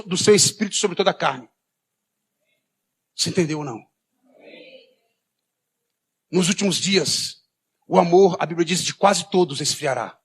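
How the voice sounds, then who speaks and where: A man with a Brazilian accent preaching a sermon in a church, often shouting and acting out the lines of the people in his story. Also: sits high, slightly rough. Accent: Brazilian Portuguese. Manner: shouting preacher, acts out quoted dialogue. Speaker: pastor.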